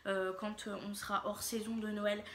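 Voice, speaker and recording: A woman's voice: medium pitch, flat delivery, moderate pace, fairly bright tone, slight background noise. A woman talking casually to her viewers in a shopping haul vlog, chatty and rambling, with frequent hesitations and fillers. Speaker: vlogger.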